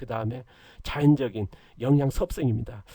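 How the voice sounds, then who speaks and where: The voice has a dark, mellow tone, somewhat breathy, delivered at a moderate pace. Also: man. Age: 60s. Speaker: farmer. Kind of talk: casual talk to camera. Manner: halting, many fillers.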